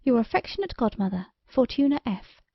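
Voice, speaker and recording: A woman's voice: on the high side, sing-song, fairly quick, dry recording, lo-fi sound. A woman voicing a gracious, affectionate fairy godmother with courteous, genteel phrasing. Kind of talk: storybook letter read in character.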